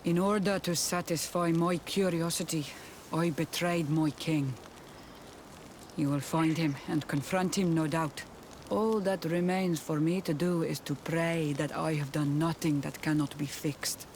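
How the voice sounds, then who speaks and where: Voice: medium pitch, steady tone, measured pace, a little mellow, a little hiss or hum, close to an everyday voice. An actor playing a solemn, mystical tribal seer, grave and wary, with formal, weighty phrasing in a fantasy game. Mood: grave, stern. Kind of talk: fantasy video game cutscene acting.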